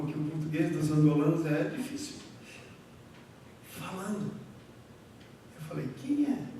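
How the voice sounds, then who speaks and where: A man with a high voice preaches to his church, telling a story with lively swings between loud, emphatic exclamations and quiet asides. He is heard from a distance, and his voice rings around a very echoey church hall over a faint background hiss. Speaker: pastor. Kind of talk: sermon. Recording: far-off mic in a very echoey hall with faint noise.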